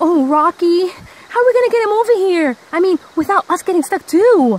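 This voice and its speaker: The voice is a put-on character voice. It sits at an extremely high pitch and moves at a moderate pace. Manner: upbeat.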